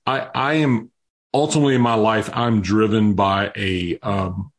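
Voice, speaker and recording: A man's voice: fairly low pitch, steady tone, a little slow. A man in his fifties, an interview guest, telling personal stories earnestly with frequent restarts. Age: 50s. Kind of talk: interview storytelling.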